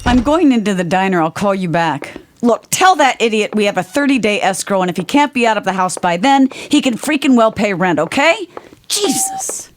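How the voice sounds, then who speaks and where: Woman playing a bossy, snappish, animated mother. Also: mid-range voice, normal speed, lightly acted. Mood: irritated. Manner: curt, imperious, snapping. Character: bossy, irritable, disapproving middle-aged mother. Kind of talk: audio drama acting.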